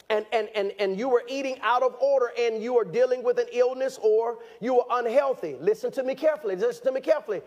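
A man delivers a sermon in a strikingly high voice. He is fervent and insistent, hammering points home through repetition. His wording is colloquial, aimed straight at the people listening. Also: darkish tone. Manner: exhorting, repeats phrases for emphasis; colloquial, direct address to listeners. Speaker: preacher. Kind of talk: sermon to a congregation.

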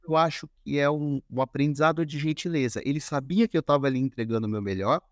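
A man as a podcast guest, telling stories in a relaxed, conversational way with frequent restarts and fillers. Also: fairly high pitch, fast, no room sound, studio quality. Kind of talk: casual conversation.

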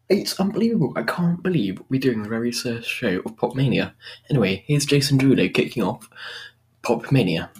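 A man's voice: medium pitch, breathy edge. A British man presenting a music radio show in an upbeat, chatty, informal way, talking straight to the listeners.

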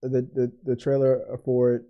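A man's voice: mid-range voice, completely flat delivery, moderate pace, smooth, muffled recording. A man co-hosting a casual podcast chat who rambles, restarts his sentences and laughs easily. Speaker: podcast co-host.

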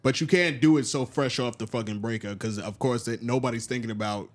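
A man's voice: medium pitch, a little fast. A man with an African American accent talking in a reflective, conciliatory way in a casual group discussion.

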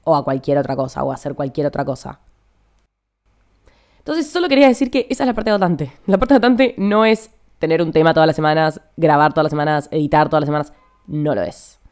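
Casting: young Argentine female podcaster, lower register, over-energized hurried delivery, informal and talkative. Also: animated, darkish tone. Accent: Argentine Spanish. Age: young adult. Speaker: podcast host. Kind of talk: casual podcast monologue.

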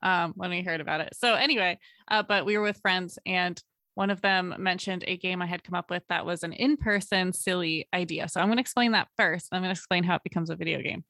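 A woman's voice: on the low side, fast, sharp tone, dry recording, clean studio sound. Chatty woman in her late twenties. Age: late 20s. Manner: chatty, laughs often, trails off mid-sentence. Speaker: podcast co-host. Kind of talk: casual podcast chat.

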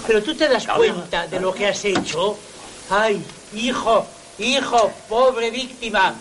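A stammering old marquis. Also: male voice, high-pitched, slow, background noise. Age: older. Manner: stammering, exasperated. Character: flustered elderly male marquis. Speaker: film actor.

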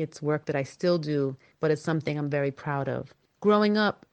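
A woman from New York with a notably low voice tells her personal story. She speaks in an earnest, measured way, as if reading a prepared account. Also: darkish tone. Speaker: podcast guest. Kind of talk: personal storytelling, read aloud.

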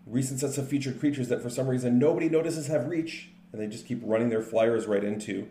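A man co-hosting a podcast, chatting casually and explaining things in a relaxed way. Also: mid-range voice. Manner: relaxed, explanatory, says card names in quick lists. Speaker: podcast co-host. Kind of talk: casual chat about card games. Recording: echoey room with faint noise.

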